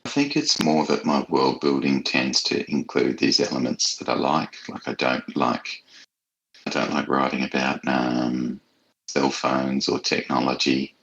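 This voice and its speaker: A man being interviewed as an author, talking reflectively and choosing his words in a measured, articulate way. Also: rumbling low, little pitch movement, vocal fry, fairly bright tone, dull audio.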